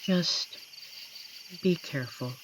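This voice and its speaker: A performer voicing an amiable, shy werewolf forest protector in a roleplay audio drama, speaking gently and hesitantly with earnest pauses. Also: medium pitch, lightly acted. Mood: gentle, reserved. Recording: noisy track with night cricket ambience. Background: crickets and night forest insect ambience.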